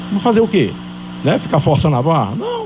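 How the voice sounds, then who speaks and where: A man at a moderate pace, very wide pitch swings, audible room echo and noticeable background noise. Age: 60s. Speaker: pastor. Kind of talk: church teaching, informal sermon-style lesson. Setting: church. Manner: conversational, rambling with filler tags.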